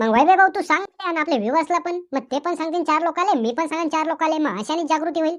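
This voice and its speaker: Putting on a squeaky character voice, a woman speaks fairly quickly at an extremely high pitch with ordinary pitch variation. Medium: cartoon. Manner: stammering, nervous laugh.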